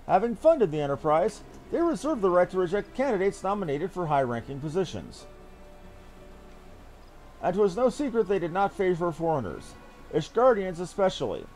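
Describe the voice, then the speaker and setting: A man's voice: high voice, a little mellow. Man putting on a grave, formal fantasy captain. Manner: grave, formal, archaic diction. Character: earnest military captain briefing an ally on a spy hunt. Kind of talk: reading fantasy game dialogue aloud.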